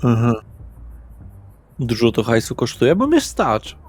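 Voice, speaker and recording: Man playing excitable young stoner, slangy and naive. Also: medium pitch, takes it slowly, faint music behind, heavily acted. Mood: eager, pestering. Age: young adult. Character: Kamil, young stoned party guy, chatty, naive, pestering. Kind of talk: improvised audio roleplay.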